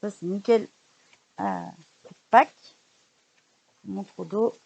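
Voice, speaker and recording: Woman chatting thru her book haul at home, lots of ums, mid pitch. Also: very animated, takes it slowly, gravelly, warm tone, breathy edge, dry recording. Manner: chatty, hesitant with many fillers and restarts. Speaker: vlogger showing a book haul. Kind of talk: casual chat.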